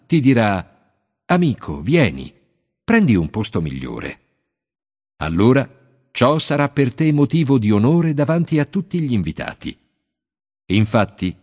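A man reading the part of Jesus, a grown man who teaches with calm authority in a measured, solemn cadence. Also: fairly low pitch, heavily acted. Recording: long hall reverb.

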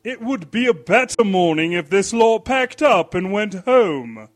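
A man doing a loud, gruff, irate neighbor. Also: sits high, sing-song, unhurried, soft background music, pitched above the performer's own voice. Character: grumpy, belligerent male neighbor. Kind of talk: audiobook character voice.

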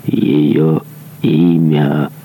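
A man's voice: rumbling low, little pitch movement, very slow, vocal fry, husky, exaggerated voice. A man doing a stern, menacing vengeful monk. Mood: stern demand. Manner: hushed, menacing and demanding. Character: stern, vengeful male monk, cold and relentless.

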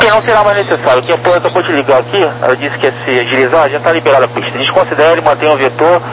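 Brazilian male air traffic controller, slightly high voice, procedural radio instructions, clearly noisy channel. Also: very fast. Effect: aviation radio.

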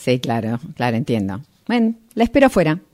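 Woman acting a low-voiced, insistent letting agent. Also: very animated, brisk, warm tone. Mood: obliging. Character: firm, scolding female letting agent. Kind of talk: amateur radio play rehearsal.

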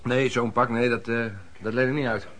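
An actor playing a shrewd but sociable peddler in radio drama dialogue, talking in a hesitant, colloquial bargaining manner. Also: male voice, mid-range voice, flat delivery, normal speed, slight background noise, close to an everyday voice. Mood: reluctant. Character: shrewd but sociable male peddler, haggling while acting helpful. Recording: busy room with loud chatter. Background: crowd chatter.

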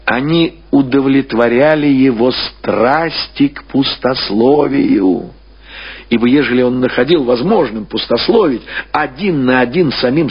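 A man narrates literary prose for radio with highly animated intonation. His medium-pitched voice is a little rough rather than crisp, and he draws out phrases in a deliberate storyteller's way. The recording is somewhat muffled and lo-fi. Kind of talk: scripted literary narration, audiobook or radio reading.

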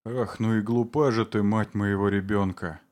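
A man voicing a middle-aged man who calmly, then tearfully, defends himself before his neighbours. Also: lowish voice, normal speed, close to an everyday voice. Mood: pleading. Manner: calm, then pleading and tearful.

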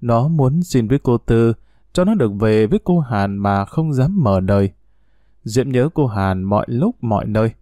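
A man narrating a story in a steady, measured reading voice. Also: medium pitch, no room sound.

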